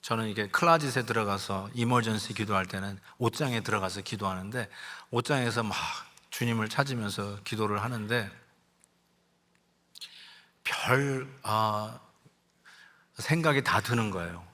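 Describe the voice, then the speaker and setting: A man's voice: lowish voice, moderate pace, sharp tone. Older male pastor telling an emotional story. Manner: emotional, conversational storytelling that acts out quoted lines; mixes in English words. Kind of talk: sermon with personal storytelling.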